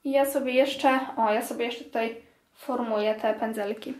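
A woman's voice: on the high side, steady tone, moderate pace, a little mellow, echoey room. A young woman chatting casually to her viewers while cleaning her bathroom and washing makeup brushes. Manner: chatty, addresses viewers as "girls". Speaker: beauty vlogger. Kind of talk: casual clean-with-me vlog narration. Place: home bathroom.

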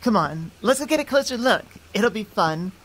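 A woman's voice: mid-range voice, animated, normal speed, slight background noise, close to an everyday voice, rough recording. Woman acting as a playful, affectionate centaur girlfriend. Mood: fond, teasing. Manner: playful, sweet, conversational. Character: affectionate, teasing, easily flustered young adult centaur girlfriend. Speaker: voice actress in ASMR roleplay. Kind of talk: intimate ASMR girlfriend roleplay. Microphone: close studio microphone.

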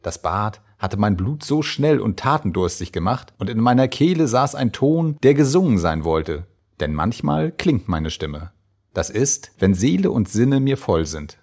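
Gravelly low-voiced man reading aloud. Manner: measured, expressive literary reading. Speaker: reader. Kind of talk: expressive reading of letters and diary entries.

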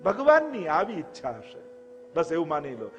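A man's voice: fairly high pitch, wildly swooping pitch, normal speed, a bit bright, long reverb tail, highs cut off. A man giving a devotional discourse, talking conversationally and asking the listeners rhetorical questions. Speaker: religious speaker.

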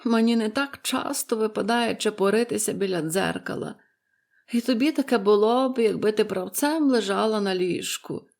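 A woman voicing a fretful, peevish bedridden woman of about forty, who speaks slowly and dryly in a storybook reading. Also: medium pitch, vocal fry, darkish tone, lightly acted. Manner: fretful, sullen, slow and dry.

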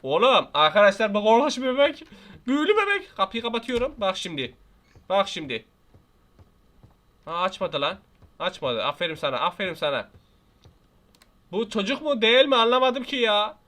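A young man with a Turkish accent, a gaming YouTuber, does excitable let's-play commentary in a high, bright voice. Talking fast and loosely as he plays, he jokes, scolds and playfully threatens what's on screen, even talking baby talk to the game.

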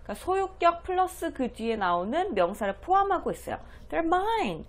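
A woman giving a home English lesson, explaining each phrase and repeating the English lines slowly. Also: sits high, big pitch swings. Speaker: English teacher for parents. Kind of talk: slow, deliberate language lesson.

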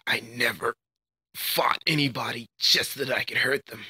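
A man's voice: mid-range voice, fairly even intonation, normal speed, bright, forceful tone, husky, dry recording. A man voicing a cocky, brash young martial arts fighter from a video game, with a taunting, swaggering delivery. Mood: grim, defiant. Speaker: amateur voice actor. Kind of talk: character voice demo, video game fighter lines.

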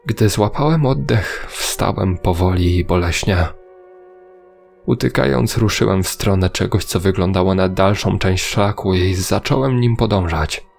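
A man's voice: low voice, unhurried, gravelly, soft background music. A man narrating a scripted first-person horror story.

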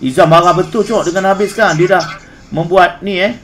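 A man's voice: sits high, brisk, fairly bright tone, poor audio. A man with a Malaysian Malay accent hosting a gaming stream, teasing his teammates in casual banter. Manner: teasing, playful, calls others "Cok".

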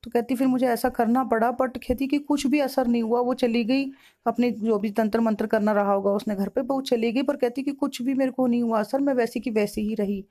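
Mellow woman retelling a client's story. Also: a little high, steady tone, fairly quick. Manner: long reported-speech retelling, repetitive and emotional. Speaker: spiritual counselor.

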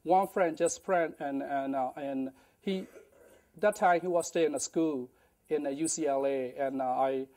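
A middle-aged man telling his life story in a halting lecture, with many fillers and restarts, on a lapel mic in a large indoor kitchen. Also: a little high, dark tone. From Burma. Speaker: guest speaker.

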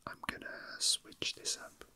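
Whispering ASMR man, breathy and bright. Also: measured pace. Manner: hesitant, musing to himself. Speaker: ASMR host. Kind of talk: whispered ASMR, casual rambling while handling a figurine.

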